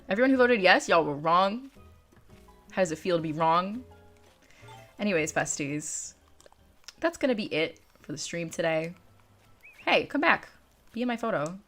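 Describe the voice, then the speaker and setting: Young female streamer, slightly lower-pitched, bubbly and slangy, casual excitable chat with viewers. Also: unhurried, pauses often, faint music behind. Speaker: livestream host.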